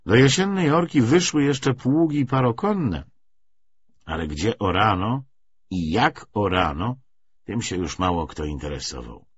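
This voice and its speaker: A man reading a literary audiobook in an expressive, measured way with deliberate phrasing. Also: fairly low pitch, slightly rough, lo-fi sound. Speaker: audiobook narrator.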